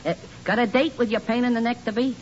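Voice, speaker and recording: An actor playing a teasing, wisecracking buddy in a 1940s radio comedy. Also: male voice, very high voice, steady tone, quick pace. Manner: teasing, joking. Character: wisecracking buddy Jelly Kelly. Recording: dull old radio recording, faint hiss.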